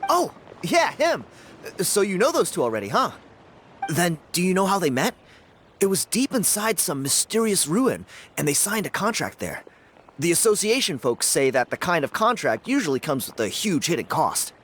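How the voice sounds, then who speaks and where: A cocky young tribal dancer. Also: male voice, high voice, big pitch swings, moderate pace, slight background noise. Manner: easygoing, boastful, chatty. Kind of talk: video game voice acting. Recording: game audio with loud music underneath.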